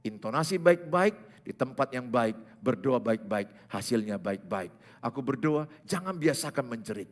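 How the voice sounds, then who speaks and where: A man, a pastor preaching a sermon in a church hall, animated and given to sudden loud exclamations. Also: medium pitch.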